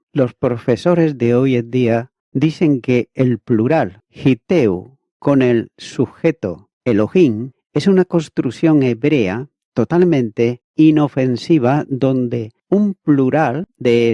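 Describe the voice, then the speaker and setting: A man with a dark, mellow voice reads aloud an expository Bible commentary, steady and methodical, like a teacher working through prepared notes. The recording is dry and close, with a dull, slightly lo-fi sound. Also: medium pitch, no echo. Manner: measured, methodical reading of a prepared text.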